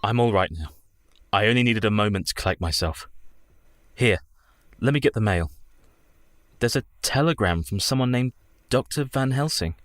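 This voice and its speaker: A man's voice: fairly low pitch, animated, moderate pace, a bit bright, dry recording. Shaken young husband, a former clerk, formal and jumpy, voiced by a man, dry and close. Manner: formal speech, prone to alarm. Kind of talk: radio play acting.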